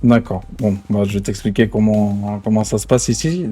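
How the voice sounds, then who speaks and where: A man's voice: fairly low pitch, fairly even intonation, moderate pace, dark tone, faint music behind. A man improvising dialogue in an online game roleplay, speaking in a commanding, slangy and casual way. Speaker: streamer role-playing a gang boss in an online game.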